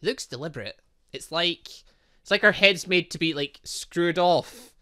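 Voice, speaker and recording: Commentating his own gameplay, this male streamer speaks at a moderate pace in a high, bright, forceful voice. His let's-play chatter wanders and breaks off for chuckling asides.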